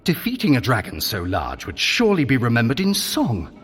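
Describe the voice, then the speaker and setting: An actor playing a sly, theatrical trickster god in an audio drama, pompous, wordy and teasing with mock innocence. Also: male voice, mid-range voice, wildly swooping pitch, a little fast, fairly bright tone, breathy edge, in a large hall, faint music behind, exaggerated voice. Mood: wheedling, dramatic. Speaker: guide of a training adventure.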